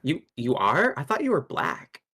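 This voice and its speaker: A man's voice: mid-range voice, huge pitch swings, moderate pace, creaky, bright, forceful tone, slightly rough. A man chatting casually in a group with a teasing, bantering manner.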